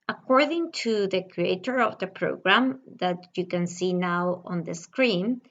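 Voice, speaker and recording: A woman in her thirties whose first language is Spanish, speaking at a mid pitch in a calm, explanatory way. She talks through a review like a channel host, and the recording sounds a little dull and lo-fi. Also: creaky. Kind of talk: scripted review to camera.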